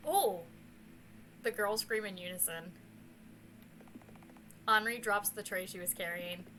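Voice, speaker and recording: A woman's voice: mid-range voice, steady tone, unhurried, sharp tone, slight background noise. A woman hosting a game video, switching between reading narration aloud and playful casual commentary. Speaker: gaming video host. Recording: background music under the voice.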